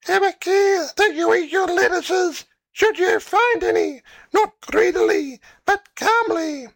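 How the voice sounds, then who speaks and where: A tiny old guinea pig squeaks out advice in a thin, very high voice. The delivery is slow and careful, fussy in its warnings, and the room around the voice is dry and close. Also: male voice, a bit bright, no room sound, exaggerated voice.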